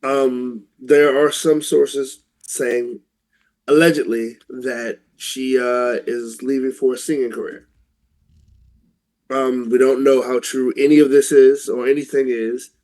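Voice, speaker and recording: Man, medium pitch, co-host, casual opinion chat, informal, rephrases mid-sentence. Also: level tone, takes it slowly, darkish tone.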